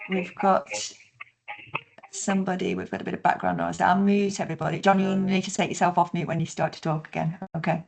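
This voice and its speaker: Female workshop trainer, heard over a video conference call, lower-pitched, measured delivery with frequent tag questions. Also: vocal fry, rough recording. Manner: steady explanatory delivery, frequent "yeah?" checks. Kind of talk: online training session.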